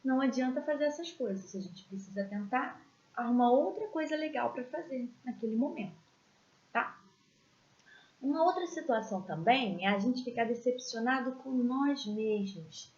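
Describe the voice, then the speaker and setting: A woman teaching a children's religious class, telling stories in a gentle, expressive way and pointing out pictures as she goes. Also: fairly high pitch, normal speed. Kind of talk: storytelling lesson for children. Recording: echoey room, dull lo-fi sound.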